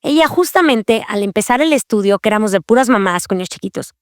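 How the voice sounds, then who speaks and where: A woman's voice: medium pitch, animated, fast talker, no echo, clean studio sound. A woman hosting a Christian devotional podcast, speaking earnestly and confessionally and repeating key phrases. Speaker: podcast host.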